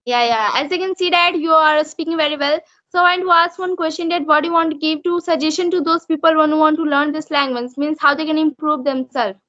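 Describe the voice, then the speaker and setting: Young indian woman, hindi accent, super high voice, halting english, kinda muffled. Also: fairly even intonation, a bit bright, no echo. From Jharkhand, India. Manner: halting, with frequent restarts and fillers. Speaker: English learner in a practice conversation. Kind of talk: casual conversation practice.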